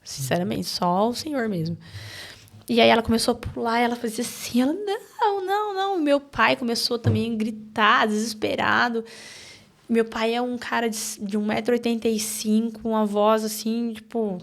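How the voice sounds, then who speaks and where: Brazilian woman guest on a podcast, gravelly voice, halting and emotional, keeps restarting. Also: a little high, steady tone. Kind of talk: emotional personal storytelling.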